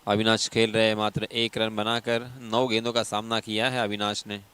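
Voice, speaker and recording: A man's voice: fairly low pitch, little pitch movement, normal speed, bright, forceful tone, smooth. A man with an Indian accent gives live ball-by-ball cricket commentary, explaining play and repeating key phrases for emphasis.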